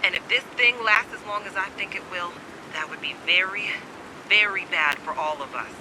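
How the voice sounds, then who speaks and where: A male actor as a guarded game survivor on edge, with a fairly high voice. The delivery is blunt, cynical and urgent. A clear low rumble runs under the speech. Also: moderate pace, natural voice. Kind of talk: dramatic video game acting.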